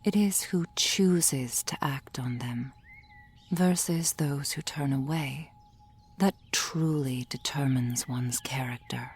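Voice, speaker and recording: A woman playing a gentle, reassuring soul healer in an ASMR roleplay, speaking in a soft, formal whisper. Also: very deep voice, slow pace, slightly rough, full character voice. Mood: soothing whisper.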